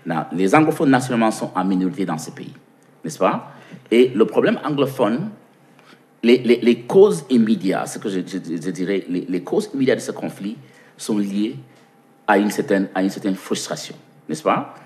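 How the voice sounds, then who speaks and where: This interview guest, a man from Cameroon, speaks with an English-speaking Cameroonian accent in a fairly low, slightly mellow, sing-song voice at normal speed. He answers at length, often repeating words while searching for them and posing himself questions before answering.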